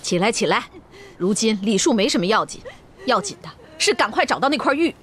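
A woman's voice: a little high, big pitch swings, fairly quick. A middle-aged actress playing a stern, commanding noble mother in a period TV drama.

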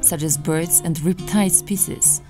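A woman's voice: lowish voice, a little slow, music in the background. A young woman with a Polish accent, a native Polish speaker, narrating her travel vlog in a cheerful, chatty way. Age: young adult. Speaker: travel vlogger. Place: outdoors on a rooftop.

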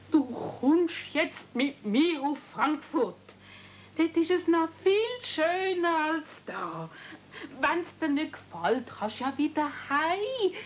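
A woman playing a pushy, scolding aunt in a radio play, nagging insistently with a Swiss German accent. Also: a little high. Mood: impatient. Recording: muffled, noisy old 1970s audio play recording.

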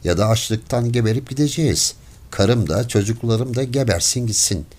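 A man voicing a poor peasant man who pleads desperately and then rages and shouts, in an audiobook story. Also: mid-range voice, expressive, normal speed, close to an everyday voice. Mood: furious. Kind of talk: audiobook character voice.

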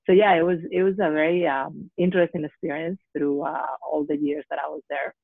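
A woman's voice: low voice, fairly even intonation, brisk, vocal fry, no room sound. A woman from Spain with a Spanish accent, a guest on an online panel, speaking hesitantly with many fillers. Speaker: guest health coach. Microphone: video call. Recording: tinny phone-like call audio.

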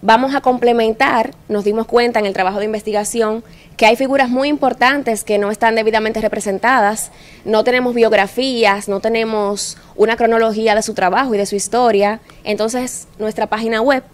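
Woman with Dominican accent, higher voice. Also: fairly even intonation, fairly quick. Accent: Dominican Caribbean Spanish. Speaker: studio guest presenting an anniversary campaign. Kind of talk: articulate interview talk. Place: indoor TV studio. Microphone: handheld microphone.

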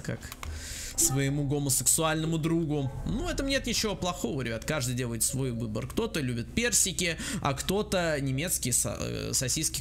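Lively, gravelly Russian-speaking let's play host. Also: male voice, medium pitch, slight background noise. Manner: lively, joking, crude asides. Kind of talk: gameplay commentary.

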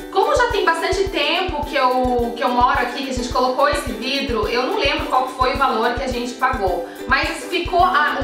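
A woman in her thirties with a Brazilian Portuguese accent, chatting casually in a home vlog from her kitchen and gesturing as she explains. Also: sits high. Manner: chatty, friendly, talks with her hands, frequent restarts. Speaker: home organization vlogger. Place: modern home kitchen, indoors. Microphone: camera at medium distance. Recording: echoey, distant, with background music.

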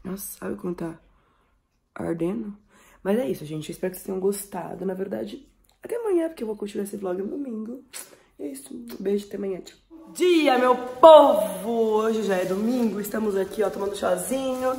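A woman's voice: mid-range voice, fairly quick, gravelly, a little mellow. A woman in her thirties with a Brazilian Portuguese accent, chatting affectionately and exclaiming through a casual family vlog. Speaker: family vlogger and mother.

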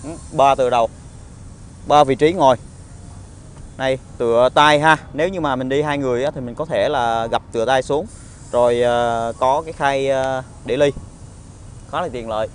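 A man with a southern Vietnamese accent giving an informal used car salesman's walkaround pitch, halting often with hesitations and tag words. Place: outdoor car lot, partly inside a car. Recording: outdoor phone recording with traffic ambience.

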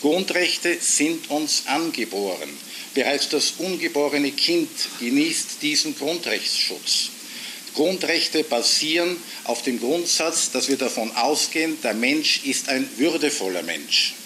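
A man speaking in a measured, lecturing tone, setting out a formal legal argument with small hesitations. His voice is of middle pitch and quite bright, with faint noise behind him. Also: lively intonation, low-quality recording.

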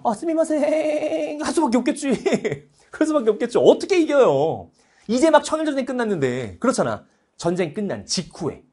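A man in his thirties teaching history in a lively lecture, animated and playful, breaking into joking voices. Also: high voice, breathy edge. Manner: animated, playful, puts on mock foreign voices.

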